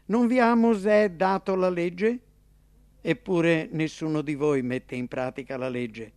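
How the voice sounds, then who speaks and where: A man voicing an earnest, impassioned male teacher, declaiming slowly and emphatically. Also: a little high, darkish tone, no echo, natural voice. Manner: emphatic, declaiming, slow and ringing.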